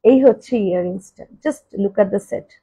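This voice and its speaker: A woman selling jewellery on a live stream. She says each price slowly and more than once, and chats quickly in between. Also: mid-range voice, mellow, slightly rough, rough recording. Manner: repeats prices slowly, then chats fast in bursts. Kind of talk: live-stream sales talk. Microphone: phone camera.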